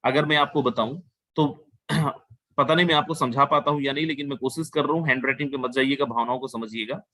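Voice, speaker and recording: A man's voice: mid-range voice, steady tone, fast, sharp tone, dry recording, rough recording. A man giving a persuasive sales webinar over a video call, repeating his points and mixing in phrases. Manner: persuasive, repetitive, mixes Hindi with English phrases. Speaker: webinar presenter.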